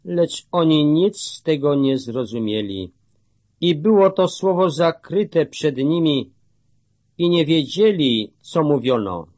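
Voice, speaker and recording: A man giving a scripted Bible reading in a measured, solemn manner. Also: a little high, animated, a little mellow, no room sound. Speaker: scripture reader.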